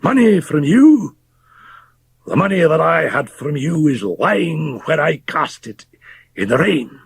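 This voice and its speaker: A man voicing a bitter, shabby old male drunkard whose high, strained voice rises loud as he confronts an old rival. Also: slow pace, vocal fry, slightly rough, no echo, full character voice. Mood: bitter defiance.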